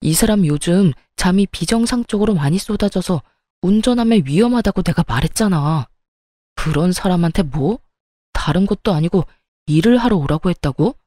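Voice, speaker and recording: A woman plays an exasperated young husband shouting at his mother in a story reading. The voice stays close to her own, mellow and dark in tone, recorded dry and close. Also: fairly low pitch, expressive, moderate pace, no room sound. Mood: angry.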